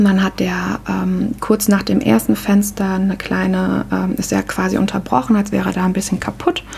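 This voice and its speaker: A woman is heard over noticeable background noise. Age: 30s. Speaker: podcast host, new presenter of a picture-description show. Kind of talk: descriptive narration of a picture.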